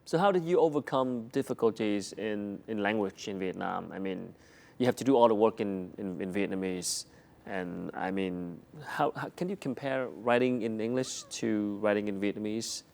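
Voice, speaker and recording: A man interviewing a guest, asking calm questions and giving short backchannels. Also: fairly low pitch, normal speed, creaky.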